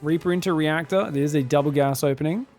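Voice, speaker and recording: A man casting a strategy game on his own, excitable on big plays and analytical in replays, his voice phlegmy after being sick. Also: a little high, brisk, faint music behind. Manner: excitable, shouts on big plays, then breaks down mistakes. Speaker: esports caster. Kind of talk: solo game commentary.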